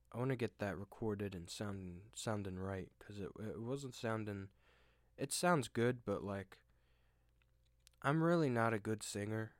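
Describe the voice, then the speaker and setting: Young male podcast host, low voice, self-deprecating monologue, lots of "like" and "uh", clean dry recording. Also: no room sound. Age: young adult. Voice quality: deep voice. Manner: rambling, self-deprecating, many fillers and restarts. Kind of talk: casual solo monologue. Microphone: desk microphone at home.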